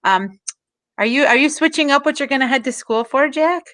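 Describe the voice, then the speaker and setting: A woman hosts a talkback over a video call in a bright, somewhat tense voice. Her voice sits a little high, and she keeps the talk moving with an upbeat manner and easy laughter. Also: animated, fairly quick. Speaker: host.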